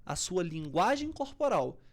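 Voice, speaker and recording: Expressive Brazilian woman coaching speech. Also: lowish voice, a little slow. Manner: expressive, swings between loud emphasis and soft near-whisper to demonstrate tone. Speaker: communication and public speaking coach, guest. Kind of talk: podcast interview, explaining.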